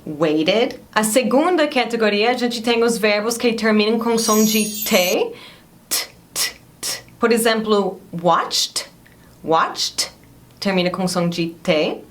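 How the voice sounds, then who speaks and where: A woman teaching English pronunciation, carefully modeling each English word slowly. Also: on the high side, a little hiss or hum. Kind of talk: pronunciation lesson.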